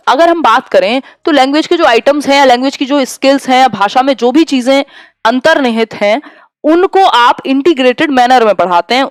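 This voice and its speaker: A young woman teacher giving an exam-prep lecture, mixing English terms into her explanations and reading the questions out slowly. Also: on the high side, no echo.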